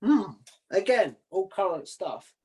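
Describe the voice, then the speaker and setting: A man's voice: high voice, sing-song, slow pace, breathy edge. A man hosting a casual interview in an informal, conversational way. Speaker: interview host.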